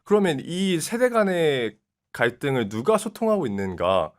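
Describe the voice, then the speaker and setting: Young male commentator, 20s, animated delivery, steady explainer. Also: fairly high pitch, moderate pace. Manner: explanatory, steady, frequent short acknowledgments. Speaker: guest commentator. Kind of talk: casual political talk.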